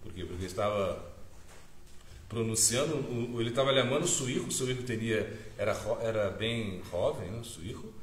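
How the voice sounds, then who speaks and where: Halting, low-voiced man preaching in an echoey room. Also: slight background noise. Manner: mixes Spanish words into Portuguese, halting with many fillers. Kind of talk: sermon storytelling.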